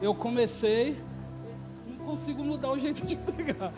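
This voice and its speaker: A male pastor preaching a sermon, moving from hushed, tender storytelling to loud, shouted exhortation. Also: very high voice, normal speed, big-room sound, music in the background.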